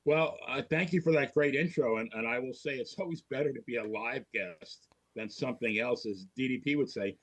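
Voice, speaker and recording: A man who works in radio is a guest on a live online show. He talks in a polite, slightly hesitant way with a husky, mid-pitched voice. The sound is dry and close. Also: a little fast, few pauses, no room sound. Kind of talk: casual live show chat.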